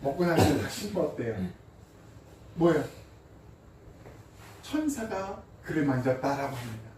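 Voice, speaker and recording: A man's voice: on the high side, sing-song, measured pace. Emphatic male pastor in an echoey hall. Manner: emphatic, swings between loud stresses and soft drops. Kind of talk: sermon. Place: church sanctuary. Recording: echoey church hall, voice from a distance, faint noise.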